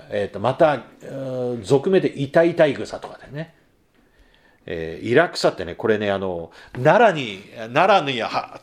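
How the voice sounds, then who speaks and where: A male pastor giving a sermon in a conversational manner, asking the congregation questions and rising to emphatic bursts. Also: fairly low pitch.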